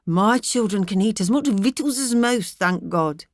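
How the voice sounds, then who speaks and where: A woman's voice: mid-range voice, animated, measured pace, dry recording, clean studio sound. A woman voicing a fretful middle-aged country wife with a rural English accent, rambling on earnestly and plaintively in an audiobook. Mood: plaintive, fussing.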